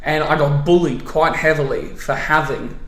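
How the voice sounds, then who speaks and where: A man's voice: on the high side, normal speed, a bit bright. A young man with an Australian accent, born in New Zealand, chatting casually and asking curious questions as a podcast co-host. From New Zealand, raised in Australia. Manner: curious, inquisitive, dry. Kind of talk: casual comedic chat. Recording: echoey room.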